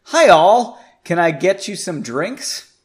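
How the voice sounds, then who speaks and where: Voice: mid-range voice, sing-song, takes it slowly, pitched above the performer's own voice. A reader voicing a friendly young serving girl in a fantasy tavern, polite and cheerful.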